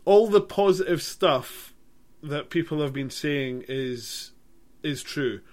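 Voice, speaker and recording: A man co-hosting a casual film podcast, speaking in a measured, hesitant way with frequent ums. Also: on the high side, expressive, darkish tone. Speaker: podcast co-host. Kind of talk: casual chat.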